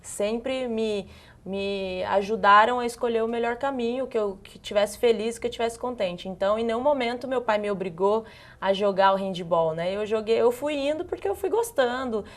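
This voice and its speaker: A young woman from Brazil with a northern Paraná accent, a handball player answering interview questions in a soft, chatty way. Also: fairly high pitch, moderate pace. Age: young adult. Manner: soft-spoken, chatty, laughs easily. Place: TV studio.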